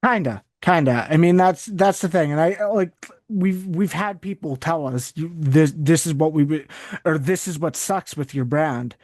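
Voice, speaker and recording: A man's voice: on the high side, moderate pace, a little mellow, dry recording, clean studio sound. A man from Canada, a guest chatting casually in an interview, rambling and often restarting as he goes on tangents. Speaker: guest, wrestling site writer.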